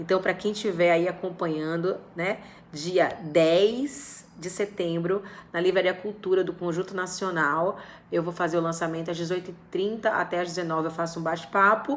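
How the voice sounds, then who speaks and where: Her pitch fairly low, a woman talks at a moderate pace with ordinary pitch variation. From Bahia, Brazil (Salvador). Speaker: sales expert and business owner. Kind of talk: live stream talk. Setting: live stream on social media. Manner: casual, chatty.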